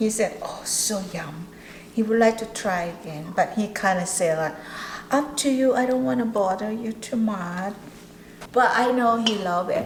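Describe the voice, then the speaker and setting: With noticeable background noise and audible room echo, a woman in a Thai accent speaks at a moderate pace and fairly high pitch, with lively intonation. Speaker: cooking vlogger. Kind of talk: casual cooking vlog. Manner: halting.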